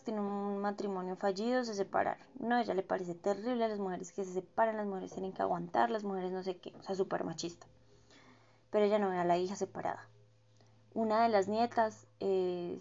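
Young Colombian woman with a Bogotá accent, casual slangy vlogger, dry throat, medium pitch. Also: muffled recording. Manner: gossipy and animated, heavy slang fillers, self-mocking. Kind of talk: casual chatty monologue.

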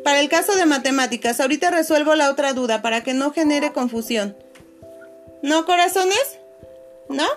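A woman teacher, talking patiently to her pupils on a video call and filling pauses with "este". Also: sits high, faint music behind. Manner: patient, many fillers, calls pupils "chicos" and "corazones". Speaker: schoolteacher. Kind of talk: online class video call.

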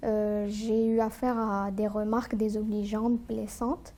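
Woman, 30s, soft dark timbre, thoughtful interview guest. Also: medium pitch, little pitch movement, measured pace. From Algeria. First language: Algerian Arabic. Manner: earnest, thoughtful, with frequent hesitations. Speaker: guest, tax lawyer. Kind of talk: personal interview, recounting her life.

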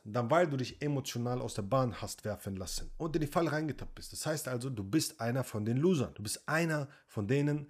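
A blunt men's coach talks straight at the listener in a confrontational lecture. His mid-pitched voice is husky and a little breathy. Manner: mocks the listener in a whiny voice. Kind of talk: confrontational motivational monologue.

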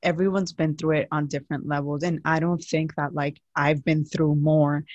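A young adult co-host talks earnestly in a relaxed podcast chat and leans on "like" constantly. The sound is dull and lo-fi. The room is very dry, with no echo. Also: mid-range voice, moderate pace. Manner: chatty, earnest, fills speech with "like". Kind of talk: casual chat.

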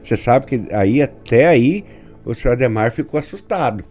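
A man's voice: medium pitch, animated, moderate pace, warm tone. A man hosting and narrating a spooky tale in a conversational way, often turning to the listener. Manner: conversational, asks listener "sabe?". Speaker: host and storyteller.

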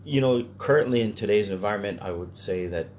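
Deep-voiced Canadian man, thinking aloud. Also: fast, darkish tone, a little hiss or hum. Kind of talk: casual discussion.

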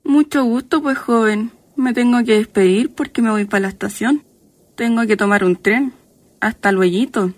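A woman's voice: on the high side, normal speed, dry recording, close to an everyday voice. A woman with a Chilean accent playing a folksy, chatty countrywoman ghost who is fond of a drink, in a radio drama. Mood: polite farewell. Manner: folksy, chatty, affectionate diminutives.

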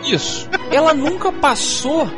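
A Brazilian man chats casually as a comic podcast co-host, rambling in slang. His pitch is high and very animated. Music plays clearly behind a somewhat muffled recording. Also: measured pace. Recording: dull lo-fi audio with music underneath.

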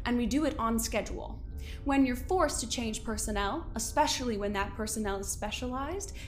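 A woman playing a smug, controlling overseer in an audio drama, delivering measured, condescending threats in a theatrical way. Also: fairly high pitch, natural voice. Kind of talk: scripted audio drama acting.

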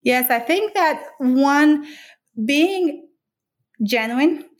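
A woman's voice: high-pitched, lively intonation, extremely slow. A middle-aged woman from the Dominican Republic, talking earnestly in an interview about her work and life, with frequent restarts and fillers. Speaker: author and interviewee. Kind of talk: conversational interview.

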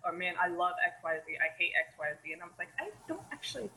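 A woman's voice: on the low side, big pitch swings, fast talker, sharp tone, a little hiss or hum, low-quality recording. A young American woman telling her personal story in a casual, rambling and reflective way. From United States. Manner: rambling, reflective, many "you know" fillers.

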